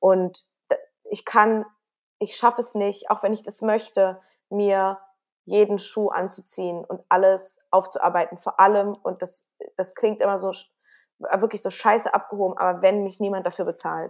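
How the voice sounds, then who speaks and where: A woman speaks with monotone, flat intonation. Her pauses are long and frequent. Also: medium pitch for a woman, moderate pace. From Berlin. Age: 20s. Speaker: film director. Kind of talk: casual interview. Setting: remote recording. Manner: gets loud when passionate.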